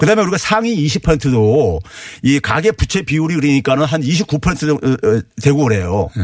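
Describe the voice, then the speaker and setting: The speaker moves at a moderate pace with very wide pitch swings and very even loudness. Noticeable background noise is present. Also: man, fairly high pitch for a man. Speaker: economics professor. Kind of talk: radio interview. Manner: loud, raised voice.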